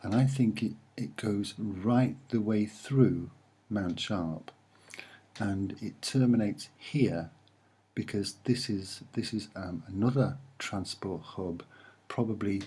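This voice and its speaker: A soft-spoken man with a husky voice, giving a casual, musing and hesitant commentary as he explains what he sees. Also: on the low side, takes it slowly. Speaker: video narrator.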